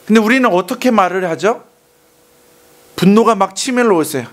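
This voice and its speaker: A male pastor preaching a sermon to young adults, animated, acting out angry outbursts and asking the congregation to repeat after him. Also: sits high, normal speed. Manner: animated, acts out angry outbursts and calls for repetition.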